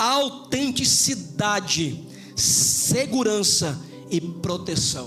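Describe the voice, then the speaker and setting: A high-pitched man speaks very slowly with very wide pitch swings. Music plays in the background, and room echo is audible. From Pernambuco, Brazilian Northeast. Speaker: guest pastor. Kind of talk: sermon. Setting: church service, livestream.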